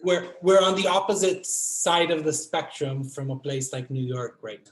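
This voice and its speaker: A male theatre guest explaining things in a measured way over a video call, with a few fillers. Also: on the high side. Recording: echoey room on video call.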